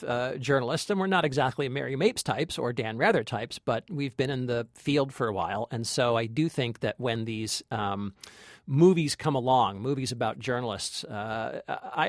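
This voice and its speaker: A male film critic co-hosting a podcast, with a mid-pitched voice and a dry, close sound. He talks conversationally and reflectively, building emphasis through repeated phrases. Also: dry recording.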